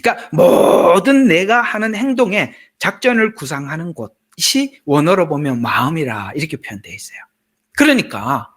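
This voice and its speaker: Male pastor, conversational sermon full of asides to the flock; voice sits high and swings widely. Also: a bit bright. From Gyeongsang region, Korea. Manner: chatty, joking preaching with asides to the congregation.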